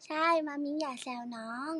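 A woman's voice: normal speed, crowd noise. A teenage girl idol chatting casually on a live stream, giggling and reading fan comments while sore and sitting stiffly.

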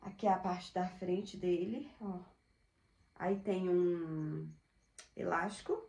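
Woman in her thirties, upbeat thrift seller, unhurried talk, roomy home recording. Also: on the low side, vocal fry, warm tone. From Brazil. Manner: chatty, upbeat, many diminutives and "olha só" asides. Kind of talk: casual product showcase. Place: small home room indoors. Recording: echoey room.

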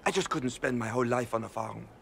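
A man's voice: medium pitch, fairly quick, vocal fry, a little hiss or hum, natural voice. An actor playing a restless young farm-boy recruit in a fantasy video game. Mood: earnest.

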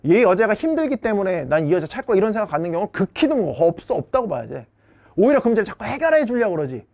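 A man's voice: sits high, sing-song, rapid-fire, darkish tone. A man lecturing as a dating coach in a blunt, brash way, swearing freely and talking down to his students.

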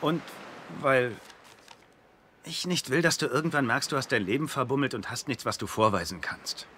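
An actor playing an earnest, preachy, well-meaning friend in a German-dubbed sitcom, with a wry streak. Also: male voice, medium pitch, moderate pace, pushed and bright, a little hiss or hum, lightly acted. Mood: worried.

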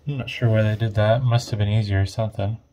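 A man giving casual, off-the-cuff narration of an electronics teardown, thinking aloud in a hesitant, low-key way. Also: steady tone, fast talker, warm tone. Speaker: host of an electronics teardown video.

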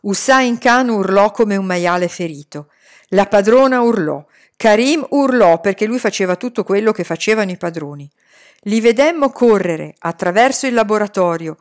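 A woman narrating a novel chapter in the first person, measured and expressive. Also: medium pitch. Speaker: audiobook reader. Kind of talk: scripted narration.

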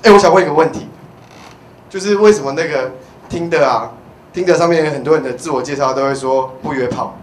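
A young man with a Taiwanese accent doing open-mic stand-up in a rambling, stammering way that repeats phrases. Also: a little high. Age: young adult. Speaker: stand-up comedian. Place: small indoor comedy club stage. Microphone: handheld microphone. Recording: roomy live venue, background noise.

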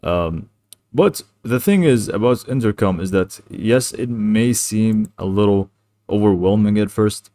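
A man presenting a casual, improvised software tutorial, explaining things loosely with a hesitant, rambling delivery. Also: on the low side, a little slow, no room sound.

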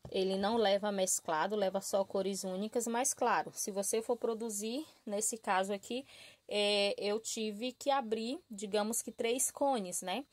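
A woman's voice: medium pitch, steady tone, a little slow, no room sound. A woman from Brazil talks her viewers through a handmade crafts kit in a small room. Her voice sits in a middle range and the sound is dry and close. She keeps checking in with "tá?" and "né?" in an easy, chatty way. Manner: chatty, warm-hearted, addresses viewers as "gente", frequent "tá?" and "né?" tags. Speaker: crochet channel host. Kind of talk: casual tutorial talk to viewers. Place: small room at a work table. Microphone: camera filming her hands and table from above.

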